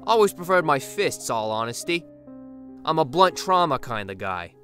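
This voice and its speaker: Male actor as brash young tough guy, highish, sharp bright tone, lively swings, easygoing, audio drama. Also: moderate pace, faint music behind. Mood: cocky. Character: cocky, easygoing young brawler.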